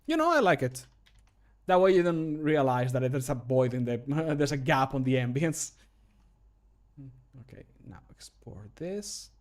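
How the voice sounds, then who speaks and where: A man in his thirties talks casually to a livestream from a small room at home. His voice sits at a middle pitch, and he rambles loosely from one thought to the next. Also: very animated, a little slow. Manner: rambling, easily sidetracked, chuckles often. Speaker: livestreamer and mod maker. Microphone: microphone at a desk, streaming.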